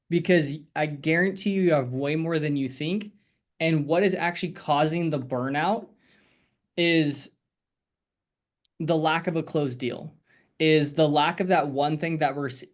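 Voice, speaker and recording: A man coaching a group on a video call, talking casually in a rambling, encouraging way with lots of fillers. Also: a little high. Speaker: sales coach.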